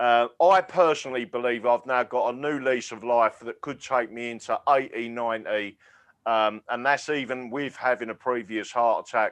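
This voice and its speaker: At a moderate pace and medium pitch, a man speaks with fairly even intonation in a dry, close sound with no echo and a quiet background. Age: 50s. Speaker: livestream panel host. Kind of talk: casual chat.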